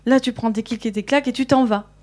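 A woman's voice: a little high, moderate pace, dark tone, close to an everyday voice. A woman voicing an annoyed little girl in a red hood, scolding and exasperated.

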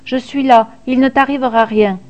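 A young mother goddess in a storybook myth, tearful and pleading, as a woman narrator puts her on. Her voice rises high above the storytelling. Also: steady tone, moderate pace, a little mellow, close to an everyday voice. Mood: tender.

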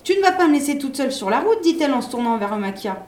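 A woman's voice: high-pitched, very animated, rapid-fire, roomy sound, voice pushed up. A woman doing a brash little witch girl. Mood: cheeky. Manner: brash and boastful.

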